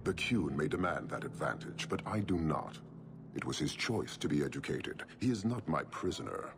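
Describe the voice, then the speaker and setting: Very deep, gravelly horned warlord. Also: male voice, sing-song, noisy background, full character voice. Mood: solemn, unyielding. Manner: slow, measured, formal. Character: stern, imposing horned alien warlord, solemn and unyielding. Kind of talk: video game dialogue.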